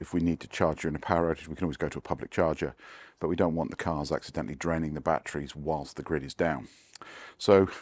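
A very fast, very deep and low male voice with vocal fry and a dry sound with no echo. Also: big swings in loudness. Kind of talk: casual vlog chat. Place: garden. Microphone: phone near.

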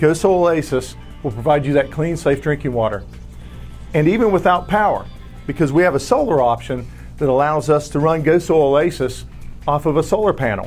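Ordinary pitch variation at a fairly quick pace, with faint music in the background. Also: man, fairly high pitch for a man. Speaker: company spokesperson. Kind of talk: infomercial pitch. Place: studio. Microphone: lapel.

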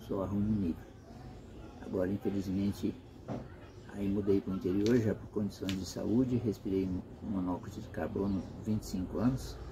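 A man talks at a moderate pace with a fairly low pitch and a dark, mellow tone. His voice is somewhat breathy, the intonation fairly even, and there is noticeable background noise. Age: 60s. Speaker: car mechanic. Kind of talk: personal testimony. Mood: earnest, somber about hardships. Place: workshop. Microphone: phone near.

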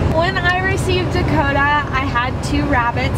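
A woman speaks at a moderate pace. Loud background noise runs behind her. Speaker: truck driver vlogger. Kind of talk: casual vlog chat. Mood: warm, amused storytelling. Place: car. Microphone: camera far.

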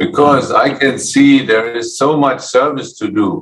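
Medium-pitched male speech with lively intonation at a fairly slow pace, with light background noise. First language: German. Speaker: devotee. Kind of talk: religious discussion. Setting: video call. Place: home room. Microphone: video call.

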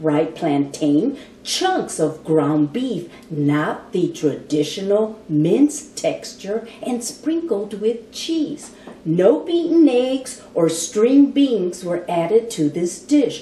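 A woman at a very slow pace, with light background noise and audible room echo. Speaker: cooking show host. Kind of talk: tutorial. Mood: warm, smiling. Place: kitchen.

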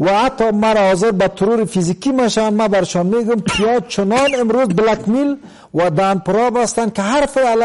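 A man talks at a fairly quick pace. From Afghanistan. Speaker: talk show guest. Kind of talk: political interview. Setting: TV studio. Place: studio. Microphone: lapel.

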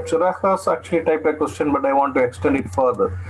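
A man with an Indian accent talks at a very fast pace, with very wide pitch swings. Light background noise is present. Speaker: theatre talk series host. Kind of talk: moderated webinar. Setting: video call. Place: office. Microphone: video call.

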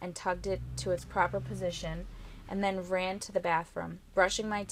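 What's heard is plain reading aloud.

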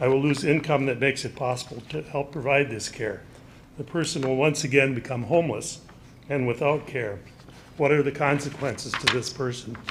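Over noticeable background noise, a man speaks at a fairly quick pace with a fairly high pitch and fairly even intonation. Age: 70s. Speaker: caregiver testifying at public hearing. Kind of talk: public testimony. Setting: public hearing room. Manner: halting, with restarts.

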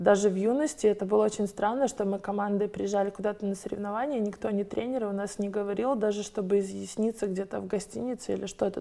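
In a quiet background, a woman speaks at a fairly quick pace with fairly even intonation. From Belarus. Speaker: Belarusian emigrant, former basketball player, manager; interview guest. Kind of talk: interview. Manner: hesitant, many fillers. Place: studio. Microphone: lapel.

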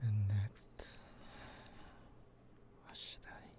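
A man whispers at a very slow pace. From Korea. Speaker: ASMR creator. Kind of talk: ASMR tapping video, soft talk to camera. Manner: soft, whispering, hesitant. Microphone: studio mic.

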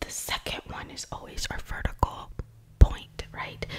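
A soft-spoken woman whispers over light background noise. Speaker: math tutor. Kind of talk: tutorial. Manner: soft ASMR whisper, patient teaching. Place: home room. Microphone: studio mic.

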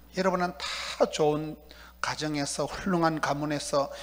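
A man talks at a moderate pace. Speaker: pastor. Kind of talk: sermon. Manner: animated; humorous colloquial. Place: church. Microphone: handheld.

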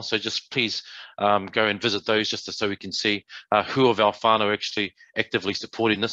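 Against a quiet background with a dry sound and no echo, a man with a New Zealand accent speaks at a fairly low pitch in a bright, sharp tone and monotone, flat intonation. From northern New Zealand, Māori (Ngāpuhi); northern New Zealand. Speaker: webinar chair; webinar moderator. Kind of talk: moderated webinar. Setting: video call. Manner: halting. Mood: warm, respectful, many hesitations. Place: home room. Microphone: headset.

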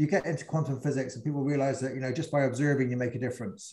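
Talking at a very fast pace, a man with a Bristol accent keeps a medium pitch. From southwest England. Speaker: leadership consultant and coach; podcast guest. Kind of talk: casual chat. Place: home room. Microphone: video call.

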